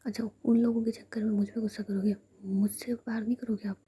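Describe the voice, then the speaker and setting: A woman's voice: on the high side, level tone, fast talker, mellow, slightly rough. A woman whispering the lines of a playful, teasing young woman in love, in a coaxing manner.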